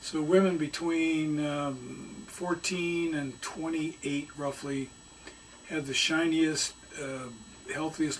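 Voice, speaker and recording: Noticeable background noise runs under this man's voice. He speaks fairly slowly at a fairly high pitch, with fairly even intonation. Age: 60s. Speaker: author and therapist, anthropologist. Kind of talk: radio interview, then monologue.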